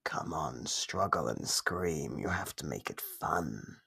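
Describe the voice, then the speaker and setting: A man voicing an ancient monster under the bed in an ASMR roleplay, playful, taunting and menacing, with a breathy, gravelly half-whisper. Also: rumbling low, animated, pushed and bright, full character voice. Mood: gloating menace. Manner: slow, teasing, menacing.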